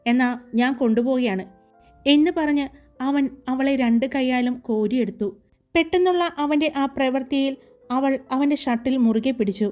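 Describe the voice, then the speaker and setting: A woman narrating a romantic story in a slow, measured storytelling voice. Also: high-pitched, mellow.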